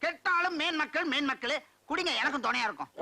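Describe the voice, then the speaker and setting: An actor playing a fussy, excitable middle-aged uncle in a comic film scene. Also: male voice, very high voice, fast talker, creaky, heavily acted. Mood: fussing. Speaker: hero's uncle and father-in-law.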